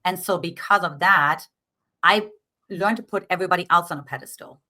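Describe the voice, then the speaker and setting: Bright-voiced German-accented woman coach. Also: on the low side, fairly quick. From Eastern Germany. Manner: earnest, explanatory, frequent "right?" tags. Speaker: dating coach guest. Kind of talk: interview, coaching talk.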